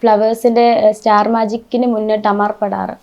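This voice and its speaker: A woman's voice: mid-range voice, level tone, moderate pace, darkish tone, lo-fi sound. A woman guest in an interview, talking earnestly about personal memories, often restarting her sentences. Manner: earnest, rambling with frequent restarts. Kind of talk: emotional personal recollection.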